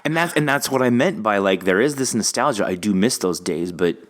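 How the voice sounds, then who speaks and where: A man with a low, deep voice hosts a relaxed interview. He speaks earnestly and conversationally, often repeating a phrase to underline it. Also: brisk. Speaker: podcast host. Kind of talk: casual interview chat.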